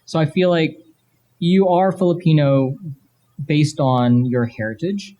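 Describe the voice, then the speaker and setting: A man's voice: a little high, fairly even intonation, unhurried, dark tone. A man talking casually and emphatically as a guest on a panel at a live convention. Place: live comic convention panel before an audience. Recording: live event, background noise.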